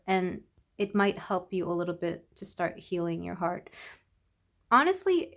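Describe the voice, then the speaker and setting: A woman with a congested voice, recovering from illness, giving a soft, rambling tarot reading to her viewers. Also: mid-range voice. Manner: soft, rambling, with many fillers. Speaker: tarot reader. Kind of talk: casual tarot reading to camera.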